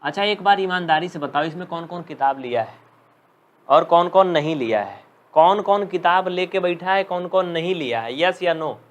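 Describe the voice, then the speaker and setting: Higher-pitched man teaching math, scolding. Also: animated, moderate pace. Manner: scolding, teasing students, reading out commenters' names. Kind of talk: live online class lesson.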